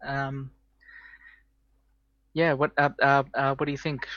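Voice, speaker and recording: Male player, bright tense tone, hesitant, dry. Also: mid-range voice, little pitch movement, takes it slowly, no room sound, muffled recording. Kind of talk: casual tabletop role-play.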